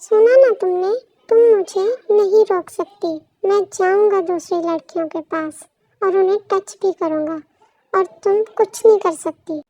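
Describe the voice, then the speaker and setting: A woman's voice: very high-pitched, fairly even intonation, a little slow, warm tone, dry recording, lo-fi sound. A woman doing a teasing young husband. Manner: pleading, coaxing. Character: teasing young husband, playful then apologetic. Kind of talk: storybook role reading.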